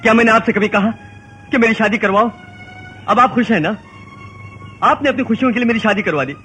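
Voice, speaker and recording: A resentful young son who accuses his father in a bitter tone. His voice is very high for a man, with a film score faintly underneath. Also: fairly quick, sharp tone, faint music behind. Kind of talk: dubbed film acting. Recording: film dub with background score.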